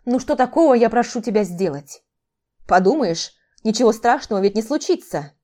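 Woman voicing a theatrical male demon, whining, pleading, loud, mellow tone, audiobook. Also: fairly high pitch, animated, moderate pace, close to an everyday voice. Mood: coaxing. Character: whiny theatrical male demon mentor, ageless.

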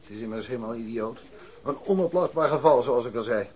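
An actor playing a blunt, dismissive police detective in a radio drama, offhand and colloquial. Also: male voice, mid-range voice, fast talker, a little mellow, natural voice. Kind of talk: Dutch radio drama acting.

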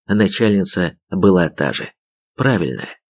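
A man reads a novel aloud in a low-pitched voice. His storytelling is even and wry, the scripted narration of an audiobook. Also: unhurried.

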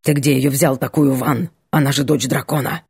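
A woman's voice: rumbling low, fairly even intonation, normal speed, vocal fry, darkish tone, breathy edge, no room sound, studio quality, pitched below the performer's own voice, full character voice. Woman doing a grumbling, sly male cook. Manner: grumbling, then wry.

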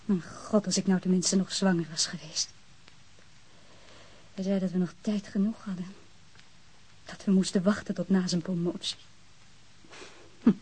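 An actress playing a grieving, lonely young woman in a radio crime drama, speaking in a wistful, halting way with a husky voice. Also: lowish voice, fairly even intonation, a little mellow, a little hiss or hum, lightly acted, rough recording. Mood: despairing. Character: grieving, lonely young woman left alone by her partner.

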